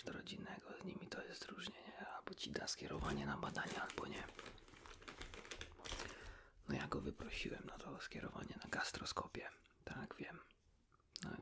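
Casting: male ASMR host, hushed whisper with heavy gravelly fry, informal and confiding. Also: rumbling low, huge pitch swings, normal speed. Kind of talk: ASMR, whispered casual chat with the listener.

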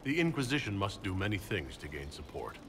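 An actor playing a steady, resolute male leader in a fantasy video game, speaking with measured determination. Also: low-pitched, background noise. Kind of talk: video game dialogue acting.

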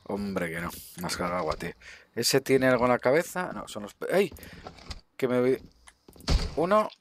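A man's voice: mid-range voice, expressive, normal speed, a little hiss or hum. A man with a Spain Spanish accent giving casual gameplay commentary, swearing often and talking to viewers. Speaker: gaming streamer.

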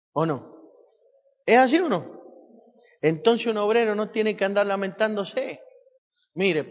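A man's voice: on the high side, in a large hall, muffled recording. A man preaching a sermon as pastor, asking his congregation rhetorical questions.

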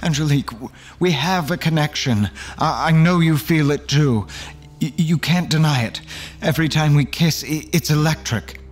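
An actor playing a lovesick man pleading with a vampire woman, halting, earnest and imploring. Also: a little high, natural voice. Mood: desperate pleading.

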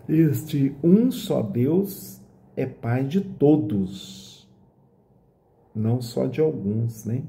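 Middle-aged male priest, dark gravelly voice, unhurried scripture reading, lively pitch, close phone mic in a small room. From Brazil. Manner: slow, reflective, asks "né?" often. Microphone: phone camera at close range.

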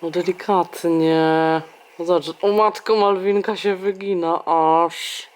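Excitable mother filming her baby. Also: lowish voice, slow pace. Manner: animated, exclaiming, laughing, talking to baby. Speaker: vlogger mother. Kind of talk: casual home vlog. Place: home indoors.

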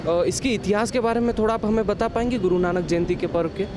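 Male reporter asking stuff on the street, kinda hesitant, high voice, traffic noise. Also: quick pace. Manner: hesitant, with fillers and restarts. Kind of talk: field reporting and questions. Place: outdoors on a city street.

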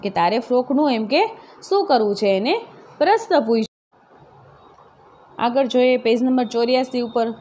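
A woman's voice: fairly high pitch, moderate pace, long pauses, warm tone. A woman teacher with a Gujarati accent reading a story lesson aloud and explaining each line in simple words, often checking in with a tag question. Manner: reads a line, then retells it in plain words with tag questions. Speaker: school teacher. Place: classroom-style video lecture.

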